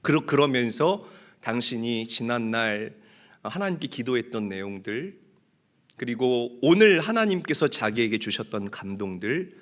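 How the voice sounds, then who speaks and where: A man's voice: medium pitch, fairly bright tone. A male pastor preaching a sermon, telling a story and acting out the prayers in it, and calling on the congregation to answer amen.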